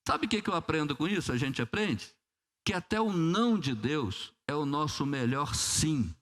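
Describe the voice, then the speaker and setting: A man's voice: on the high side, expressive, moderate pace, a bit bright. A man with a Brazilian Portuguese accent, a pastor preaching a sermon in church, telling a story and acting out prayers with humor. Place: church sanctuary.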